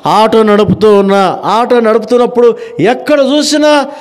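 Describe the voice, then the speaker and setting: Male preacher, high and clear voice, call-and-response sermon. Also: moderate pace. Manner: quizzes the congregation, swings between loud and low.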